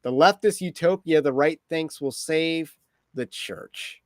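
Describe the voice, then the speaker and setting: A man's voice: fairly high pitch, slow, no room sound. A man hosting a livestream, talking through topics casually with wry, rambling asides. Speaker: livestream host.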